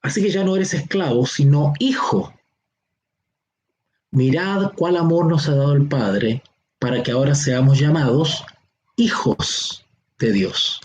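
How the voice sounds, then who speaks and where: A man with a Chilean accent teaching a Bible seminar online. He explains slowly, stretches key words and keeps checking that his listeners follow. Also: a little high, darkish tone, a little hiss or hum. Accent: Chilean Spanish. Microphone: online class or teleconference.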